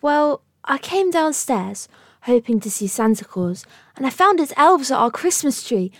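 A woman's voice: high voice, sing-song, a little slow, no echo, clean studio sound, heavily acted. A woman playing a polite, curious little girl in a dramatised story, earnest and innocent. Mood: earnest, worried.

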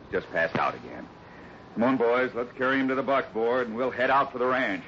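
An actor playing a steady, fatherly cowboy foreman with an American accent, in 1950s radio adventure style. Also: mid-range voice, a little fast, close to an everyday voice. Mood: thoughtful. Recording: noisy, dull 1950s radio recording.

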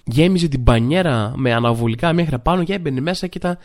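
A man hosting a podcast, telling comic stories in a chatty monologue. He talks with lots of filler phrases and mimics other people's lines. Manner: animated, acts out other people's lines with jumps in pitch. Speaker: podcast host.

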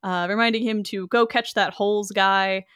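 A woman's voice: mid-range voice, steady tone, moderate pace, fairly bright tone, clear, resonant tone, no room sound. Woman podcast host, chatty plot recaps with fillers, dry close sound. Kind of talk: casual movie recap chat.

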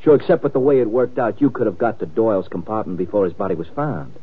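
An actor playing a suspicious, edgy jewel thief in an old-time radio crime drama. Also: male voice, lowish voice, quick pace, slightly rough. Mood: accusing, edgy. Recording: muffled, tinny old radio recording.

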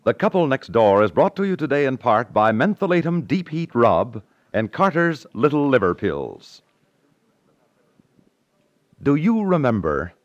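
A man's voice: mid-range voice, sing-song, measured pace, pauses often, no room sound. A man delivering a scripted commercial as a 1950s radio announcer. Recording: dry, dull 1950s radio recording.

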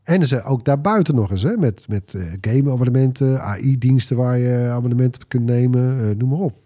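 Mellow man, halting podcast chat. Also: mid-range voice. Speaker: podcast panelist. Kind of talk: casual opinionated chat.

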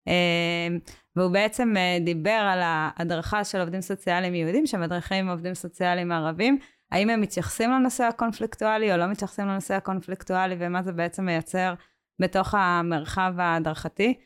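A woman's voice: on the low side, fairly even intonation, clear, resonant tone. A woman speaking as a guest in a podcast interview, talking hesitantly with many filler sounds and restarts. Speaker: community worker, guest.

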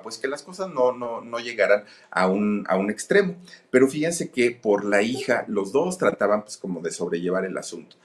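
Low-voiced chatty storyteller. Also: male voice. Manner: chatty, addresses listeners directly with asides. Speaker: storytelling host. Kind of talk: casual gossip storytelling.

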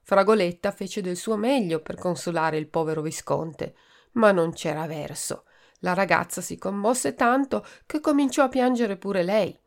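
A woman from Italy hosting a podcast, reading a children's book aloud in a clear, expressive storytelling manner. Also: medium pitch, moderate pace.

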